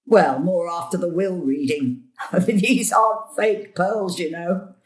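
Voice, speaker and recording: A woman's voice: lowish voice, takes it slowly. An actress playing a blunt, teasing old grandmother who speaks emphatically. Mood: relieved, pleased. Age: older.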